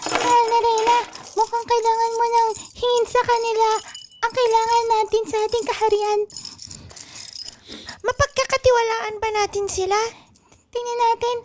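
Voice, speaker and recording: A little dwarf royal with an extremely high, squeaky voice. The character is whiny and grumbling, bossing humans about in a comic improvised radio drama. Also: female voice, little pitch movement, moderate pace, long pauses, darkish tone, a little hiss or hum. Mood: indignant, plaintive. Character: squeaky grumbling dwarf queen and her dwarf companion.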